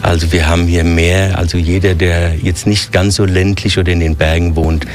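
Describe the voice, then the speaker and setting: A man from Hesse with a Hessian accent, a hotel director explaining his hotel in a radio interview in a relaxed, listing way. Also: deep voice, normal speed. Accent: Hessian German. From Hesse, Germany.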